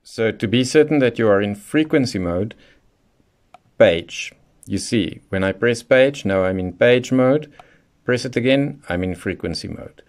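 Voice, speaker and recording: A man's voice: mid-range voice, animated, a little slow, a little mellow. A man presenting a hands-on product tutorial, explaining things methodically, step by step. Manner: methodical, instructional. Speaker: presenter of a radio how-to guide.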